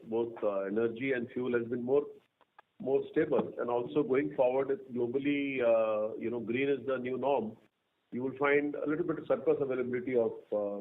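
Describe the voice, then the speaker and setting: Male company executive, Indian accent, mid-pitched, halting delivery on an earnings call, thin telephone audio. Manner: halting, repeats words. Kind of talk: answering analysts on an earnings call. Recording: narrow tinny phone-line sound.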